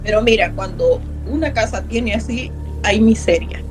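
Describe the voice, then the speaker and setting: A woman's voice: medium pitch, normal speed, over music, poor audio. A middle-aged woman from Honduras, earnestly telling a personal story as a guest, repeating words for emphasis.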